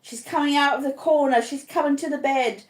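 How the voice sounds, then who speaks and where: A dying man voiced by a woman reader raves in terror of a ghost. The pitch is raised and the pleas come in panicked cries, as in a dramatic audiobook, recorded in an echoing room. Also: fairly even intonation, fairly quick, close to an everyday voice. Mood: terrified. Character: terrified, raving dying man, haunted by a ghost. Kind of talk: audiobook character acting.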